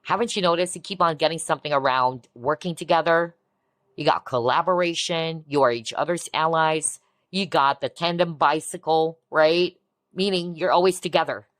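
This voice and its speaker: A woman giving a collective tarot reading in a soft, reassuring way, often breaking into amazed exclamations. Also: deep voice, normal speed, dry recording. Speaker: tarot reader. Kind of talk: pick-a-card tarot reading.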